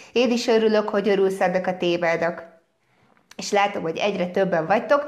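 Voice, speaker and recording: At a moderate pace, a woman with a medium pitch speaks in an animated tone. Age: 40s. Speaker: self-development trainer. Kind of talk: live stream talk. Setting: live Facebook broadcast.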